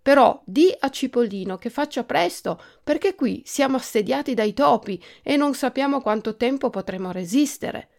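A woman's voice: sits high, animated, normal speed, creaky, few pauses, a little mellow, pitched above the performer's own voice. A woman voicing a brusque, bossy male cobbler in a storybook. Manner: brusque, commanding.

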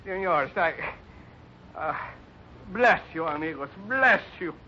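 A man's voice: fairly high pitch, animated, slow. An actor playing a humble, grateful Mexican family man with an accent to match, pleading effusively in a 1950s radio Western. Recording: muffled, hissy 1950s radio recording.

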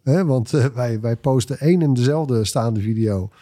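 A man with a dark, mellow, mid-pitched voice co-hosts a podcast. He chats casually and haltingly, often repeating words. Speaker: podcast co-host. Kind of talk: casual chat.

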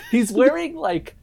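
A woman's voice: very high-pitched, vocal fry. A woman podcast co-host telling movie scenes in casual, incredulous, giggly conversation. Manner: giggly, incredulous, animated storytelling. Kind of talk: casual comic movie chat.

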